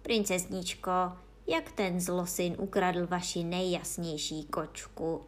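Přísný tlustý soudce v podání předčítající ženy hřímá a hlasitě křičí. Jeho hlas je oproti vyprávění silnější, ale ve stejné výšce. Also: female voice, fairly low pitch, fairly even intonation, lightly acted. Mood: sladce podlézavý.

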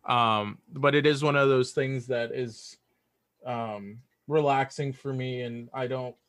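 A man speaking as a guest in a casual chat, hesitant and halting, often repeating his words. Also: mid-range voice, steady tone, a bit bright, no echo. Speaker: podcast guest, audio drama writer.

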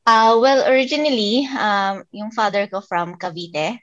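A dry, slightly dull lo-fi recording of a woman. She speaks as a guest in a casual interview at a mid pitch. She moves back and forth between English and Tagalog. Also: normal speed, dry recording. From born and raised in Saudi Arabia. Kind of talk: casual interview, telling life story.

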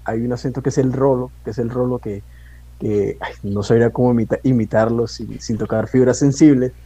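A man with a Bogotá Colombian accent, a podcast guest chatting in a relaxed, agreeable way. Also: mid-range voice, brisk, a little hiss or hum, poor audio. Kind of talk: casual chat.

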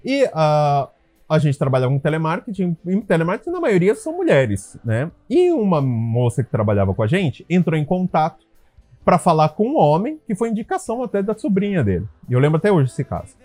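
A man speaking about relationships and jealousy in a casual storytelling monologue, speaking straight to his listeners and acting out quoted voices. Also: a little fast. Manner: lively, acts out quoted voices with big pitch jumps; conversational, many tag questions and fillers. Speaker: relationship and couples wellness speaker.

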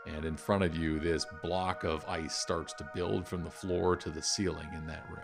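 A man's voice: deep voice, flat delivery, moderate pace, gravelly, over music. A middle-aged man narrating and explaining as a podcast game master.

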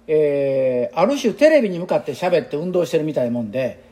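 A Kansai-accented exercise instructor in his sixties rambles through a chatty, reflective casual monologue. His fairly high, mellow voice swings widely in pitch and moves a little fast.

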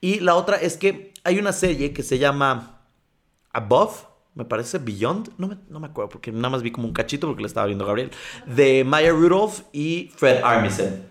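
A man's voice: medium pitch, lively intonation, normal speed. A man hosting a podcast in casual chat, reading listener stories aloud, often stumbling and wandering off into his own comments. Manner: digressive, stumbles while reading and comments as he goes. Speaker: podcast host.

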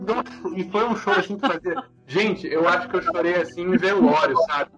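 A man telling a story in casual podcast chat, animated and expressive, repeating words for emphasis. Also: high-pitched, a little fast, muffled recording, over loud music.

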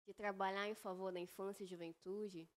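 A woman guest talking on a faith-based podcast, her speech earnest and reflective. She talks in measured phrases and often checks in with a quick tag question. Her pitch sits in an ordinary middle range. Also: steady tone.

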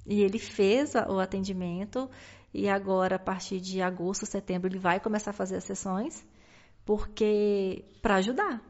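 A woman with a Brazilian Portuguese accent, a podcast guest, telling her story as a mother with many pauses, restarts and tag questions. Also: medium pitch, darkish tone. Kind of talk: personal storytelling in a conversation. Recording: dull lo-fi recording.

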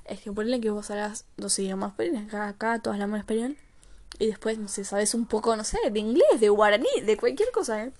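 A woman's voice: medium pitch, fairly quick, a little mellow. A young woman with a Rioplatense Spanish accent, casually thinking aloud in a reflective monologue, rambling with many fillers and asides. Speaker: vlogger.

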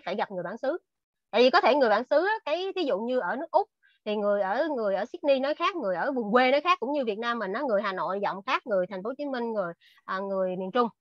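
A woman's voice: a little high, no echo. A woman shares advice earnestly on a video call, restarting her sentences often. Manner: earnest, with many fillers and restarts. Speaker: invited speaker. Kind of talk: casual talk on a video call. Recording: dull lo-fi video call audio.

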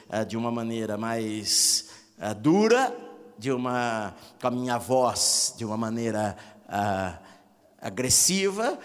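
A man's voice: mid-range voice, long reverb tail. A man preaching a sermon on marriage, earnest and repetitive, with many filler sounds between phrases. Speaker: pastor.

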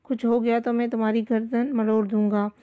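A woman's voice: on the high side, level tone, phone-quality sound, lightly acted. Fields: Figure: timid shoe trader Sheikh Chilli, read by a woman. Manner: nervous. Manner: nervous, complaining.

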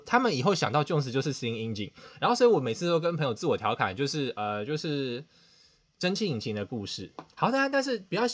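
A man's voice: mid-range voice, fairly bright tone. A man, hosting a podcast and telling a self-mocking story with dramatic outbursts. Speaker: podcast host. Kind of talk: casual storytelling chat.

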